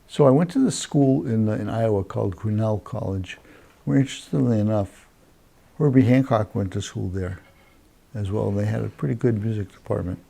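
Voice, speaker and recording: A man in his sixties reminisces at home, halting and full of pauses. His voice is low, dark and gravelly. He speaks into a lapel mic indoors. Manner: halting, filler-heavy reminiscing. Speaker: interviewee. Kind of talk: documentary interview, recounting. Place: dim room at home, indoors.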